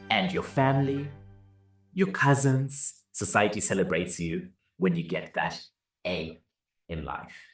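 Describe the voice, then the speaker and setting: Man from Zimbabwe, very low voice, reflective storytelling, roomy distant sound, soft violin behind. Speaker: business and leadership coach. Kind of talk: personal story told over music. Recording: roomy, somewhat distant mic with soft music. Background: soft violin music.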